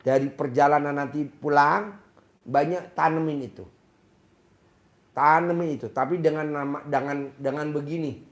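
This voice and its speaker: A man's voice: fairly high pitch, steady tone, normal speed. A man in a casual counseling talk, speaking directly to a woman and acting out sample prayers. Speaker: spiritual advisor. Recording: echoey room.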